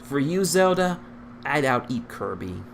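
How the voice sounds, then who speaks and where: A man's voice: medium pitch, sing-song, measured pace, vocal fry, pitched above the performer's own voice. Guy doing a cocky hedgehog hero, upbeat n sweet, fanfic reading, noisy audio. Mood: eager. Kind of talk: fan fiction character reading.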